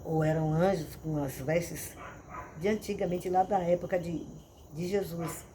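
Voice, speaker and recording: A middle-aged woman pastor, telling her testimony in an animated storytelling way with dramatic repetitions. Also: lowish voice, a little slow, a little hiss or hum. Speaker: missionary and pastor. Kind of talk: testimony preaching. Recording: crickets and insects chirping behind.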